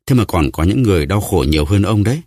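A man voicing a calm, curt bandit chief in a low, dry voice. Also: fast, no room sound. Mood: cool. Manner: cool, curt.

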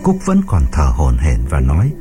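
A man's voice: a bass voice, wildly swooping pitch, moderate pace. A man narrating a ghost story in a suspenseful, dramatic audiobook style, over background music.

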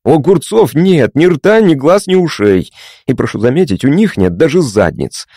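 A man voicing a touchy young male patient who talks matter-of-factly and takes offence quickly. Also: medium pitch, big pitch swings, dark tone, dry recording, clean studio sound. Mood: indignant.

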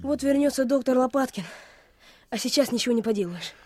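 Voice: high-pitched, fairly quick, a little mellow, breathy edge, no echo, clean studio sound. A performer playing a brave, earnest young boy in a wartime audio drama. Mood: reassuring.

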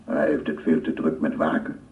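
A gruff uncle soothes a child in a radio play with short placating answers. His extremely deep, creaky voice sits back from the microphone on an old recording. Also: monotone, normal speed. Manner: brief, placating replies. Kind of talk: Dutch radio play acting. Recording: distant, noisy, muffled old radio recording.

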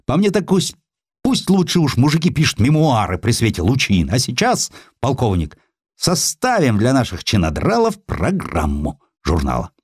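A man's voice: mid-range voice, huge pitch swings, moderate pace, slightly rough, dry recording, clean studio sound, voice pushed up. Sly, scornful old-time press baron, voiced by a male reader, hearty, swooping intonation, audiobook drama. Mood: scheming, hearty. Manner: hearty, dismissive, juicy delivery. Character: sly, blustering male newspaper publisher, coarse and scornful.

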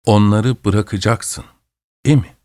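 A man voicing a stern, pious old woman who scolds and preaches slowly. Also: lowish voice, steady tone, a little mellow, no echo, studio quality, close to an everyday voice. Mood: lecturing. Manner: slow, scolding, sermonizing.

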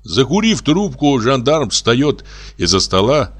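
As an audiobook narrator, a man reads a classic short story aloud in an expressive, measured manner. His voice is mid-range.

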